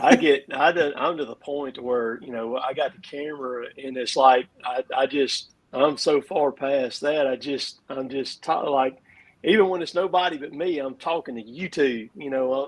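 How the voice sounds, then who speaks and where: With hardly any pauses, a man talks at a moderate pace in a fairly high voice, his pitch varying normally while his loudness swings widely. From US South. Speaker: YouTuber and equipment salesman. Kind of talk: casual chat. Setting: live stream call.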